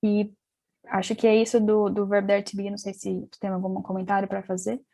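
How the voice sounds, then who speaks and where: A woman's voice: mid-range voice, completely flat delivery, fairly quick, creaky, dark tone. Chatty young woman teaching English. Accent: London English when speaking English. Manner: chatty, restarts often, spells words letter by letter. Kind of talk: casual online class explanation.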